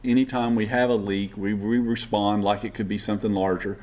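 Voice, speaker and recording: A man speaks as an official in an unscripted soundbite. His low voice comes haltingly over faint background noise. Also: fairly even intonation, a little mellow. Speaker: official spokesman.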